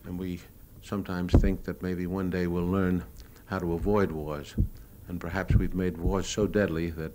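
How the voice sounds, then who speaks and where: A man's voice: deep voice, flat delivery, normal speed, few pauses. An American man narrating his own war footage off the cuff as a cameraman, matter-of-fact and hesitant as he reminisces. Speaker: newsreel cameraman. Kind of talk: unscripted narration of his own home movies. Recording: noisy old live talk recording.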